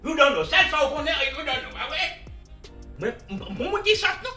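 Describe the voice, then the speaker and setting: An actor playing a blustering, excitable older uncle with a Haitian accent, ranting and repeating himself in a comedy sketch. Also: male voice, very high-pitched, moderate pace, exaggerated voice. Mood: indignant. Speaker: comic lead. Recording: echoey room, distant mic, music behind.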